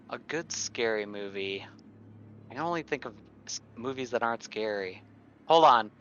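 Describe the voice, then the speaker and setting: A man's voice: medium pitch, bright, forceful tone. A man chatting casually off the cuff as a player on a gaming podcast, rambling in a wry way. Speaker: tabletop game player. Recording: dull lo-fi call, faint noise.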